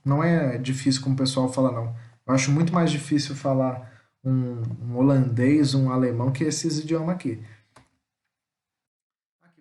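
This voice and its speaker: A male teacher giving an online language lesson, explaining patiently and checking in after each point, sometimes sounding out words slowly. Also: fairly high pitch, a little mellow, reverberant.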